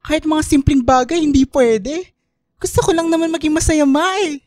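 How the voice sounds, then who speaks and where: A hurt young gay son played by a woman in a radio drama. The voice is high and sits close and dry. He pleads respectfully, as a child does with a parent. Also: steady tone, moderate pace, darkish tone, no echo, close to an everyday voice. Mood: hurt, pleading. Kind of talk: Filipino radio drama acting.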